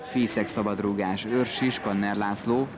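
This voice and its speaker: A man's voice: on the low side, steady tone. A man giving live match commentary on indoor football, terse and calling out players' names play by play. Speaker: sports commentator. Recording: noisy gym recording, ball bounces behind. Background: indoor sports hall with bouncing ball.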